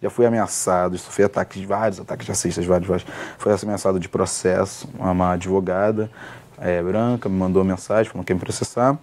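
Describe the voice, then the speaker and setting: A man's voice: sits low, slight background noise. A young man, a stand-up comedian telling stories in a casual interview, with many restarts. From Rio de Janeiro, Brazil. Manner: fast, relaxed storytelling with many restarts and fillers.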